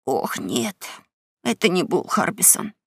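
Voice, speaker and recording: A woman voicing a frightened young boy who talks in hushed whispers, in an audiobook reading. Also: medium pitch, sing-song, moderate pace, vocal fry, slightly rough, dry recording, clean studio sound, full character voice. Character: scared boy whispering at night.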